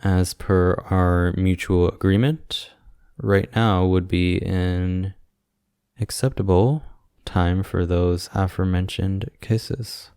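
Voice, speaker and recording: Casting: male actor as doting young boyfriend for ASMR roleplay, low smooth voice, gently teasing. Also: steady tone, slow pace, no echo, clean studio sound. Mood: tender, playful. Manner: teasing, sweet, gently joking. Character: affectionate, playful young boyfriend visiting hospitalised partner.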